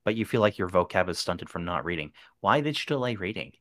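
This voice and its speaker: A man hosting a podcast, asking his guest relaxed, probing questions. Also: low voice, fast talker, no echo, clean studio sound. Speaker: podcast host. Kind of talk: casual interview.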